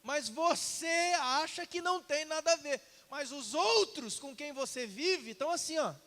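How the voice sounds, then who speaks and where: A man preaching a sermon, lively and conversational, acting out little dialogues and asking the congregation questions. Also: very high-pitched, moderate pace, long reverb tail. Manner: animated, acts out quoted dialogue, asks congregation questions. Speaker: pastor. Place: church sanctuary.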